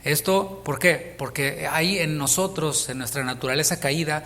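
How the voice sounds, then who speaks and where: A man's voice: fairly high pitch, moderate pace, bright, forceful tone, big-room sound, a little hiss or hum. A Mexican man preaching a sermon as pastor, speaking conversationally and asking his listeners questions. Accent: Mexican Spanish. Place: church sanctuary.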